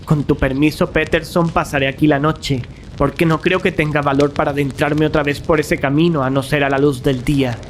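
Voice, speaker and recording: An actor playing an earnest young gentleman haunted by horror, intense and dramatic, in an audio drama. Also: a little high, fairly even intonation, fairly quick, slight background noise, close to an everyday voice. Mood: shaken.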